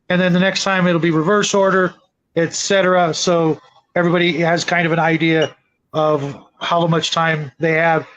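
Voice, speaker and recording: A man hosting a casual round-table discussion, moderating with a halting manner that often repeats words. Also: high-pitched, a bit bright, poor audio. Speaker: host, moderator.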